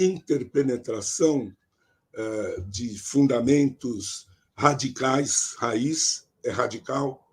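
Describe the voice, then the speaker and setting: Speaking at a very slow pace with a somewhat breathy voice and lively intonation, this clip is a very clean recording with a silent background. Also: man. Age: 70s. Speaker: Jungian analyst, panel speaker. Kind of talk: panel talk.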